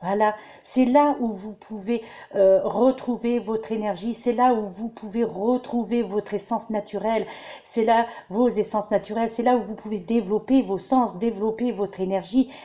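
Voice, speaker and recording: Tarot reader, female, rambling with fillers and restarts, mellow voice, dull recording. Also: mid-range voice, moderate pace. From France. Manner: hesitant, many fillers and repeated restarts; addresses listeners warmly as dear friends. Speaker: tarot reader giving weekly guidance. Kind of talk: casual spiritual monologue to viewers.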